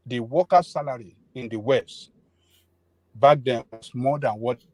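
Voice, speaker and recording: A man's voice: mid-range voice, a little slow, a little mellow, no echo. A man speaking emphatically and proudly on a remote call, his audio breaking up and glitching. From Nigeria. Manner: emphatic, proud, repeats himself. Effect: breaking-up call audio, glitchy and distorted. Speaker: guest on a call-in discussion. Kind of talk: impassioned political discussion. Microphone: phone or online call. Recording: glitchy dry call line.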